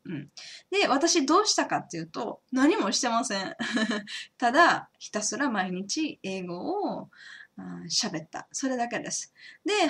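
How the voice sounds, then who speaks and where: A woman in her thirties with a Kansai Japanese accent teaches English pronunciation in a chatty, encouraging way. Her voice sits fairly high and moves all over the place, with plenty of laughs mixed in. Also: fairly bright tone. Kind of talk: casual spoken lesson.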